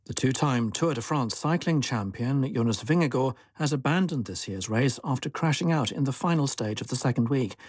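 A male newsreader reading a scripted world news bulletin in a measured, formal way. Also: medium pitch, animated, slightly rough, no room sound. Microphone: studio microphone.

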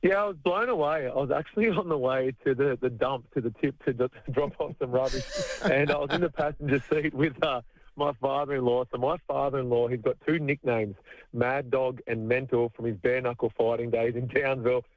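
An Australian man in his thirties, a retired basketball player, tells long stories down a tinny phone line. His voice sits at an ordinary middle pitch and he often laughs as he talks. The sound is dry and narrow. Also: steady tone, brisk, no room sound. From country New South Wales, Australia. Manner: chatty storyteller, laughs often. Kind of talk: radio phone interview.

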